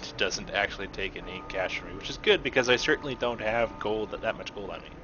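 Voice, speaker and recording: A man's very fast, mumbling speech with big swings in loudness over noticeable background noise. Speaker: gaming streamer. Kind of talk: gameplay commentary with reading aloud. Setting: live stream.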